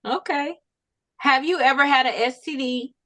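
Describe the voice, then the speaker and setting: Woman co-host, higher pitch, blunt and brisk, dry close sound. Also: pushed and bright, no echo. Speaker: podcast co-host. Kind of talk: casual game questions.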